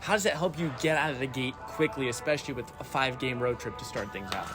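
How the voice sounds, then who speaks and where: American sports interviewer with music behind him. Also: male voice, mid-range voice, fast.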